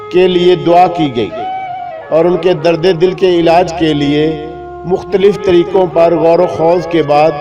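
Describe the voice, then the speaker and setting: Male narrator, fairly high voice, humorous moral tale, measured ornate phrasing, lo-fi recording. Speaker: story narrator. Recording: dull lo-fi recording with music behind. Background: clear background music.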